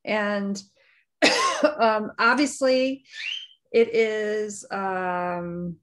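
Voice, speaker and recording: A woman's voice: medium pitch, big pitch swings, extremely slow, fairly bright tone. A woman hosting a podcast interview, upbeat and appreciative toward her guest. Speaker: podcast host.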